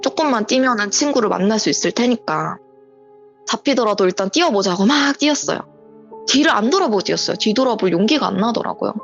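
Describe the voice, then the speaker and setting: A woman phones in to tell a true story from her own life, recounting it vividly and breathlessly and performing other people's lines. Her mid-range voice is animated and quick with vocal fry, and the call sounds muffled with faint music.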